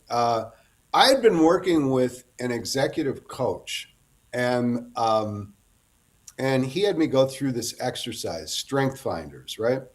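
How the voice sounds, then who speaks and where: A middle-aged man, a guest author, telling long rambling anecdotes in a casual interview and often breaking off to restart. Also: mid-range voice.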